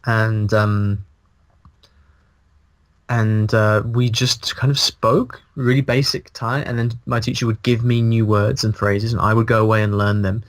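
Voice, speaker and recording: A man in his thirties, a guest on a video call, talking in a casual, animated way and restarting his sentences as he thinks aloud. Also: lowish voice, a little slow, no room sound. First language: English. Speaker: guest, language blogger. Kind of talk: casual interview. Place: small room indoors. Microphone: video call, earphones, mic in front.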